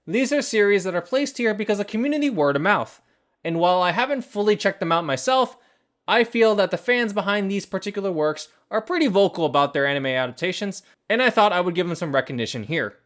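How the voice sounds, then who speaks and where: A video host narrating a scripted review in a measured, first-person commentary style. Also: medium pitch, fairly bright tone. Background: background music.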